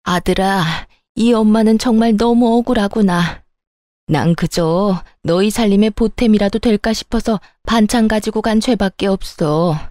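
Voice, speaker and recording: A woman's voice: medium pitch, normal speed, mellow, dry recording, clean studio sound, close to an everyday voice. A woman voicing a scheming, self-pitying older mother-in-law who scolds and fake-wails. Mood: fake wailing. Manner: scolding, then fake wailing.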